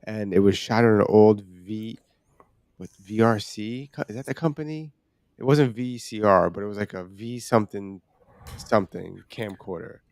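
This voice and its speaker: A male podcast co-host with a fairly low voice in a very dry recording. He talks casually and informally, with swearing mixed in. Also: moderate pace, no room sound. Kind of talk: casual chat.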